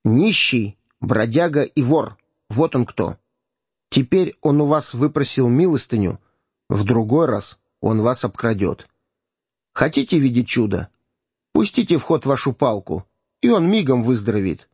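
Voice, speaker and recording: A man's voice: medium pitch, expressive, measured pace, darkish tone, slightly rough, no room sound. A man voicing a proud, disdainful boy king. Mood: contemptuous. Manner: curt and disdainful. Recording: dull, dry lo-fi recording.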